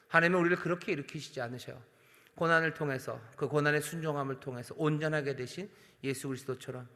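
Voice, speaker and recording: At a night prayer service, a senior pastor delivers an earnest sermon at medium pitch, and the long reverb of the big sanctuary hangs on his words. He talks directly to the congregation and poses God's questions, moving between emphatic swells and quiet drops.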